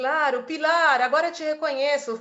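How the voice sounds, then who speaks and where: A woman talks at a fairly slow pace. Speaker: journalist, columnist. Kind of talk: talk in an online event, lecture-like chat. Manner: casual with many fillers.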